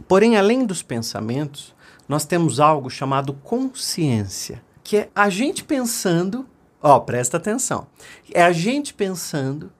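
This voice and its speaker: Emphatic motivational host. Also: male voice, sits high. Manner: direct, emphatic, repeats key phrases. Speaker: podcast host. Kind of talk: motivational monologue.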